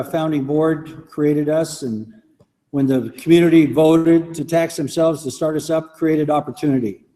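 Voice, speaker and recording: A man's voice: a little high, dark tone. A man who is a college president giving an earnest, emphatic formal address in a large civic hall. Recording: hall with long reverb.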